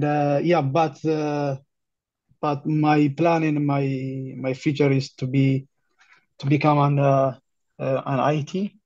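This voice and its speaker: A young man with an Ethiopian accent talking casually and haltingly about himself, often repeating his words. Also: medium pitch, a little mellow. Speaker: career guidance client, refugee newcomer. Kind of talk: casual conversation, introducing himself. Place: remote online call. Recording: muffled lo-fi online call.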